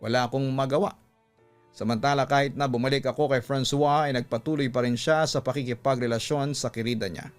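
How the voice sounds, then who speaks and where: A man narrating a scripted love story for radio in an emotive, deliberate storytelling manner. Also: mid-range voice. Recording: music under the voice.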